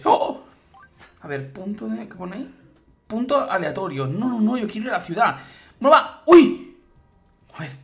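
Excitable Spanish gaming YouTuber man. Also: high-pitched. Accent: Spain Spanish. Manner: excitable, exclamatory, keeps addressing viewers as guys. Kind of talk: excited gameplay reaction commentary.

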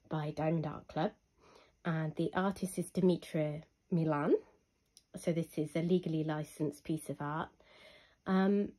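A young woman with a husky voice from illness, giving a chatty, unhurried review with frequent ums. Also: fairly low pitch, warm tone. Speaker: hobby reviewer. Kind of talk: casual product review voice-over.

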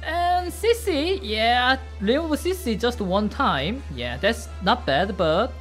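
A man in his thirties streams casual game commentary in a bright, forceful voice with a Korean accent. His pitch moves widely, and his English is simple and halting. Faint music plays behind him. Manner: excitable, high-pitched exclamations in play, simple halting English. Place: indoor room at a desk, webcam beside game screen.

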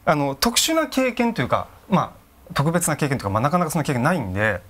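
A middle-aged man tells a ghost story in a conversational way. His pitch swings dramatically up and down, and his phrases come quickly, broken by suspenseful pauses. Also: wildly swooping pitch, a bit bright. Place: dark studio, seated round candlelit tables.

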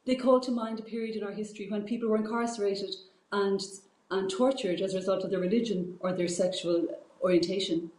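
A woman's voice: medium pitch, dark tone. A middle-aged woman with an Irish accent gives an earnest, formal prepared political speech over a video call. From Ireland. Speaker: regional representative and teacher. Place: indoor office, on a video call. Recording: echoey room over video-call link.

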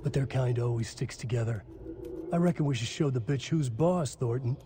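A man's voice: medium pitch, moderate pace, background noise, close to an everyday voice. A man voicing a scheming small-town cop who talks in a leering, menacing drawl.

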